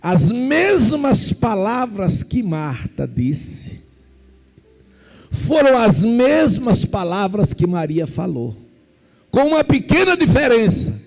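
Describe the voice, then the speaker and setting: A male pastor, preaching a sermon as lively storytelling that drops to quiet asides and rises to shouted emphasis. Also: sits high, takes it slowly, vocal fry, faint music behind, rough recording. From Brazil.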